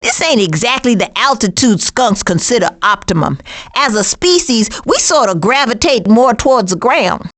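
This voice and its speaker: A woman's voice: a little high, animated, normal speed, a bit bright. A woman playing a sassy, wisecracking, streetwise female cartoon skunk in a video game, with an American accent and sarcastic, slangy delivery. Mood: dry, grumbling. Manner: sarcastic, slangy, punchy one-liners. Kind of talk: video game character voice lines.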